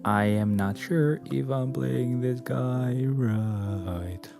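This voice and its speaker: A man's voice: mid-range voice, drawn-out words, gravelly, music in the background. A man streaming a game, chatting casually and muttering and swearing at what happens on screen. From Albania. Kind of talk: casual gameplay chat.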